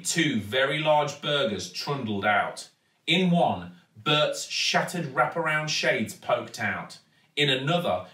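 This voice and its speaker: A British man reading a children's story aloud in a dramatic, deliberate way. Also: medium pitch, bright, forceful tone. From United Kingdom. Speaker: actor reading a children's book. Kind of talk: expressive storybook narration. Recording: echoey room, distant mic.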